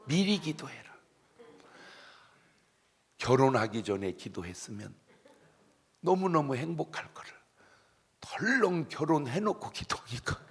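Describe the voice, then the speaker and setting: A gravelly, husky middle-aged man preaching in a church, his voice bright and edgy. His pitch swings widely as he fires questions at the congregation and waits for them to answer back. The sound rings with long reverb from the hall. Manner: call-and-response questions to the congregation, humorous. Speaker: pastor. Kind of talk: sermon at a dawn revival service. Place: church sanctuary.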